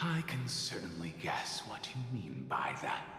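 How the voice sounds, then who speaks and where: A man whispering in a put-on character voice at a fairly slow pace, with clear echo and clear background noise. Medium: virtual streamer.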